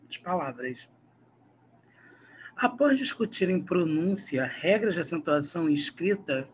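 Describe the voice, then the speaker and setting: A man's voice: high voice, a bit bright, slight background noise. A man teaching a recorded grammar video lesson with a Brazilian Portuguese accent, explaining patiently and often checking in with his students.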